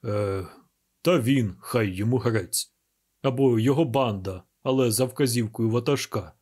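A man voicing a gruff, stubborn police inspector who grumbles and talks slowly and heavily. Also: medium pitch, a little mellow, lightly acted. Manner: gruff, grumbling, slow and heavy.

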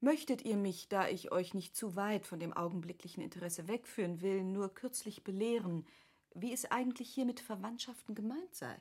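Gracious period lady, husky voice. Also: mid-range voice, normal speed, darkish tone. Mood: curious, candid. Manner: polite, formal, thoughtful. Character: gracious, articulate, curious lady of Goethe's era. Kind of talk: classic German radio play acting.

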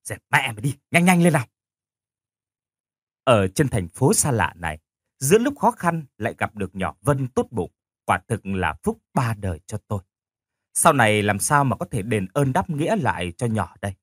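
Husky guy reading a sad audio story, really expressive, dry close sound. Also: fairly low pitch, moderate pace, no room sound. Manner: expressive, emotional. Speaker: story reader. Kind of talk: first-person audio story narration.

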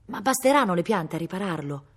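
A woman's voice: on the low side, lively intonation, fairly quick, slightly rough, voice pushed up. A woman playing an anxious young boy. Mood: worried. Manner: eager, worried questions.

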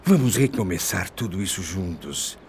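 Deep, gravelly, repentant Brazilian husband. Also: male voice, sing-song, normal speed, darkish tone, a little hiss or hum. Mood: repentant, pleading. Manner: solemn, pleading, melodramatic. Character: repentant, earnest aging husband, newly pious. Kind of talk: radio soap opera acting.

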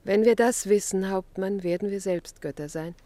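A woman's voice: medium pitch, normal speed, dark tone, no echo, natural voice. A proud young Christian martyr, acted by a woman in a radio play. Her delivery is solemn and fervent, dignified and fearless. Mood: exalted, solemn. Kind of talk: German radio play acting.

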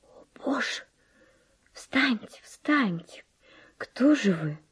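An actress playing a devout, grieving young Spanish noble widow, soft, solemn and reserved, in a verse radio drama. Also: female voice, a little high, sing-song, drawn-out words, breathy edge, exaggerated voice. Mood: alarmed.

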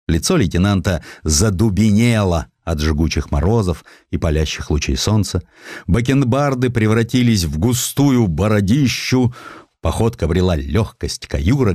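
A man's voice: low-pitched, a little mellow, dry recording, studio quality. A man reading historical essays as an audiobook narrator, telling them expressively with wry, theatrical emphasis.

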